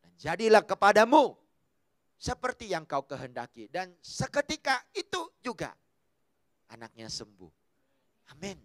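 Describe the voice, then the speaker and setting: A man preaching an animated, humorous sermon, acting out voices and swinging between loud calls and quiet asides. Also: high voice, no echo, studio quality. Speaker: pastor. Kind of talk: lively sermon with acted-out quotes.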